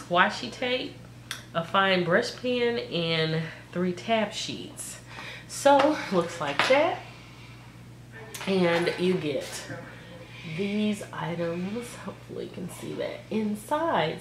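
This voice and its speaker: Stuffed-up low-voiced woman. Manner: chatty, lists prices excitedly, trails off into fillers. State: stuffed up with a cold. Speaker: vlogger showing a craft store haul. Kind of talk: casual haul video chat. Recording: echoey room with faint noise.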